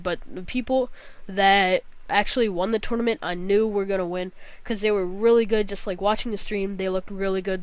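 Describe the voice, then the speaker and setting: A woman's voice: mid-range voice, smooth, no room sound. A young woman with a nasal, congested voice from a cold, giving a casual, rambling gaming vlog. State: sick with a cold, scratchy throat, nasal. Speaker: gaming vlogger.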